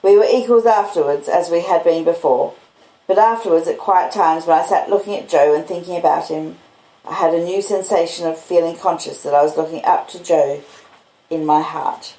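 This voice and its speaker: A woman's voice: fairly low pitch, moderate pace, warm tone, echoey room, low-quality recording. A woman with an Australian accent reading a classic novel aloud as scripted storybook narration. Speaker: audiobook reader.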